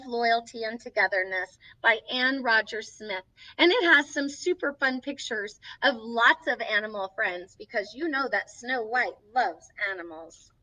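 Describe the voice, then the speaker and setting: A woman's voice: high-pitched, sharp tone, heavily acted. A woman playing Snow White as a sweet, encouraging young princess, hosting a children's story time with sing-song, reassuring delivery, recorded from a distance with slightly dull sound. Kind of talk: children's storytelling, reading a picture book aloud.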